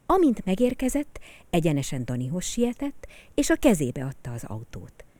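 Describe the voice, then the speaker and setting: A woman narrating a children's story in a soft, expressive way. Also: lowish voice, no echo.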